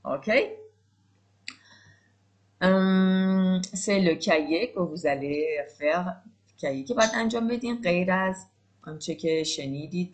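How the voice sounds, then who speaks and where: A woman tutor with a somewhat low voice runs a French lesson. She draws out each French phrase slowly and carefully, then switches to quick explanations. Now and then she spells a word out one letter at a time. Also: a little mellow. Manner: slow, drawn-out French examples between quick Persian explanations. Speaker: French teacher. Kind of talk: language lesson.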